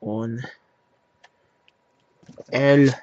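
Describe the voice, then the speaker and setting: Halting, very slow American man. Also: mid-range voice, fairly even intonation, darkish tone, slight background noise. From United States. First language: English. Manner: hesitant, restarting, searching for words. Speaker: language learner. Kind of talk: halting self-recorded language practice. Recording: slightly dull lo-fi recording.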